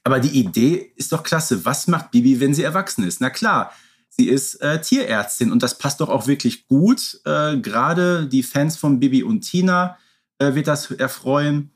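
A man's voice: mid-range voice, animated, normal speed. A man co-hosting a podcast, talking casually and colloquially, often adding little tag questions. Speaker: podcast co-host.

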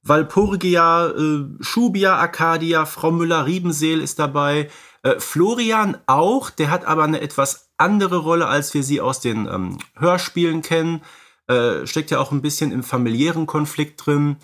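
A man's voice: on the high side, moderate pace, fairly bright tone. A man co-hosts a podcast, casually explaining and discussing films in a conversational way. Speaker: podcast co-host.

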